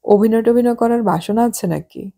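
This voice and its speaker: A woman's voice: a little high, normal speed, dark tone, pitched above the performer's own voice. A woman voicing a courteous, curious middle-aged male visitor who asks questions politely.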